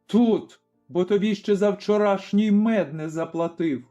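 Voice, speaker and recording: A man voicing a stern old Cossack father in a told story, speaking firmly and deliberately. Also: high voice, mellow, highs cut off, soft background music. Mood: gruff.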